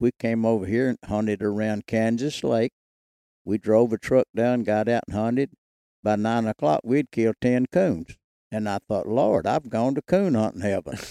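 A man with a Southern US accent, medium in pitch, with a dark, mellow tone, ordinary pitch variation and a moderate pace, in a dry, close sound with no echo. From Alabama. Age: 80s. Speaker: coon hunter. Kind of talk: casual chat.

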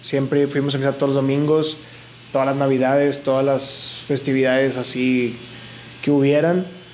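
A fairly high-pitched man at a moderate pace, with monotone, flat intonation and very even loudness, amid audible room echo and noticeable background noise. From Monterrey, northern Mexico. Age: 20s. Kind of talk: casual interview testimony.

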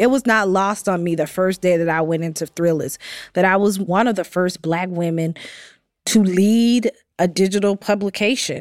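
Here is a woman with a normal speaking voice and an American accent, medium in pitch with ordinary pitch variation. She keeps a moderate pace on a very clean recording with a silent background. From US South, Athens, Georgia. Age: 40s. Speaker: cookbook author and food editor. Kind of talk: interview.

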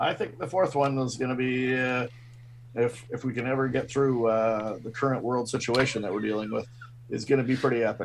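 This speaker has a Canadian Prairies accent and a monotone, flat intonation. The pace is fairly quick. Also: man, medium pitch for a man. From Canada (Winnipeg, Manitoba). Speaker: party host and bartender. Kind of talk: casual chat.

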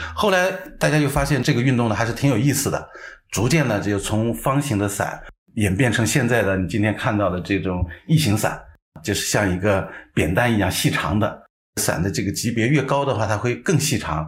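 A man's medium-pitched, somewhat breathy voice with lively intonation and audible room echo. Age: 50s. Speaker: paragliding club head. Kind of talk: interview.

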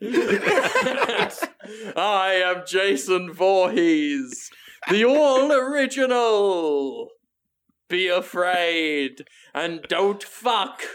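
Someone bellows in a put-on character voice at a middle pitch. The delivery is very slow. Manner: bellowing, boastful, threatening.

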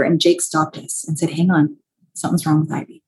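A woman's somewhat breathy voice with a dark, mellow tone at a fairly quick pace. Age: 60s. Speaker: author. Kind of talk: casual chat.

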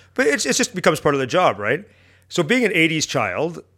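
On a very clean recording with a silent background, a man with a Canadian accent talks at a very fast pace in a bright, sharp tone, with vocal fry and very wide pitch swings. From Canada. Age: 30s. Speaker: podcast guest. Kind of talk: casual chat.

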